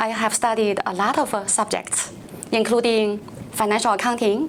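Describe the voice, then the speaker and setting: Someone speaks at a moderate pace with a Chinese accent. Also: woman. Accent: Mandarin Chinese. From China, Tianjin. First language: Mandarin Chinese. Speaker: city councilmember and school district worker. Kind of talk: interview.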